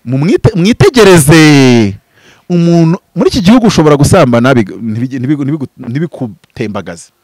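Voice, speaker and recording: A man in his thirties from Rwanda, a pastor speaking in an impassioned, preaching style, swinging from loud bursts to low murmurs. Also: big pitch swings, fast, no room sound. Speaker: pastor and prophet. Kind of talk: animated preaching-style interview talk. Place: outdoors before green foliage. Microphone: handheld mic held close.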